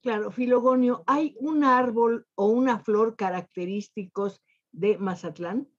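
A woman's voice: a little high, measured pace. Older woman, lyrical host, dull sound. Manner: eloquent, lyrical phrasing. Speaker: interviewer and host. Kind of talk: warm formal television interview. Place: home library with staircase.

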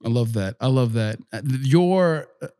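A man's voice: medium pitch, expressive, moderate pace, warm tone. A man hosting a podcast, asking questions in a casual, friendly way and rephrasing what his guest says. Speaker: podcast host. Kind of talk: casual interview chat.

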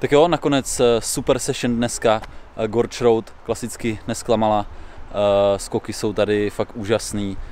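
A young man speaking casually to a camera held at arm's length outdoors, upbeat and relaxed, with frequent hesitation sounds. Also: fairly low pitch, slight background noise. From Czech Republic. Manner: relaxed, upbeat, many "eh" fillers. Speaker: pro mountain biker vlogger. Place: outdoor dirt jump park. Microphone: action camera at arm's length.

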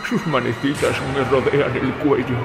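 A man's voice: mid-range voice, steady tone, normal speed, natural voice. Man as haunted older horror narrator over music. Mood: dread. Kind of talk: dramatic first-person horror narration. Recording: music behind the voice.

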